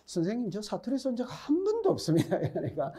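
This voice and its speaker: Middle-aged lecturer, Gyeongsang accent, lively up-and-down delivery, mellow tone, drills points by repeating them. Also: male voice, high voice, fast. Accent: Gyeongsang Korean. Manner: chatty, repeats key points, quizzes students. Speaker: exam-prep instructor. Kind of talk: recorded classroom lecture.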